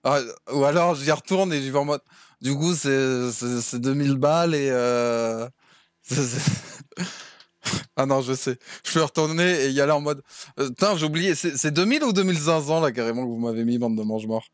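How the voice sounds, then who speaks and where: A man's voice: mid-range voice, normal speed, no echo, studio quality. A man streaming a roleplay game as a cheeky defendant, talking in slang and laughing often. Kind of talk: in-character roleplay chat.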